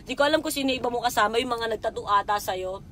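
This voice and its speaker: This young woman vlogger talks fast in a slightly high, somewhat bright voice, with a little background noise. Raw and emotional, she swears while telling a painful personal story straight to someone in a confessional monologue.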